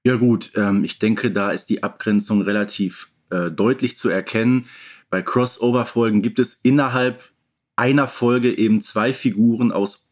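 A man's voice: fairly low pitch, fairly even intonation, normal speed, a little mellow. A man from Germany co-hosting a podcast in casual chat, connected remotely from home. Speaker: podcast co-host.

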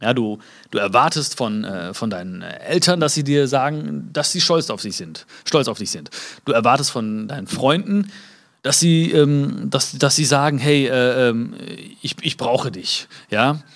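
A man giving a live motivational talk. He speaks to his listeners directly, acts out little dialogues and jumps high in pitch to stress a point. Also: expressive, normal speed, gravelly, fairly bright tone. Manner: many fillers and restarts, acts out small dialogues.

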